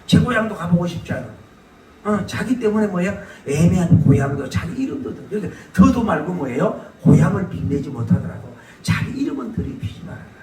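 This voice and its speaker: A middle-aged male pastor preaches a lively sermon in a high voice. His pitch jumps all over as he shouts questions and laughs between points. He sounds far from the mic in a roomy, echoing hall with a faint hiss underneath. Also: a little fast. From South Korea.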